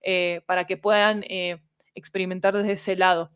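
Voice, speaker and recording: A woman's voice: on the low side, level tone, moderate pace, fairly bright tone, clear, resonant tone, no echo, studio quality. A woman explaining things conversationally as a podcast guest, discursive and often checking in with short tag questions. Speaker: podcast guest, fiction audio producer.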